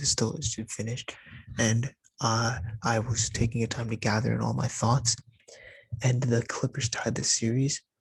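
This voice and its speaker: A soft-spoken man talks at a medium pitch with vocal fry and monotone, flat intonation. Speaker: sports podcast host. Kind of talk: solo podcast commentary. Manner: quiet, soft-spoken.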